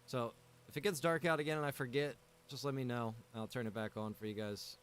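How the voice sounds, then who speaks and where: A man's voice: mid-range voice, fairly even intonation, a little fast, slight background noise. Rambling man chatting to stream viewers. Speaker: livestreamer. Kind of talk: casual chat with stream viewers. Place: room at home with a window.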